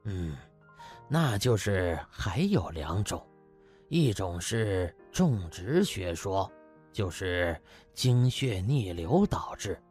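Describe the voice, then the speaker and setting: A man voicing a proud, patient older physician who explains things slowly and deliberately in an audio drama. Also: deep voice, very animated, darkish tone, faint music behind, pitched below the performer's own voice, full character voice. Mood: slow, explanatory. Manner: slow, deliberate explaining with pauses.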